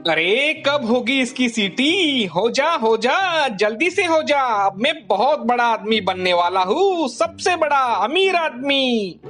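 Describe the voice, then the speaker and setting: A man voicing a greedy, scheming village man in a cartoon story, excitable and impatient. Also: extremely high pitch, slow, few pauses, faint music behind, heavily acted. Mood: greedy impatience. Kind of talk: cartoon voice acting.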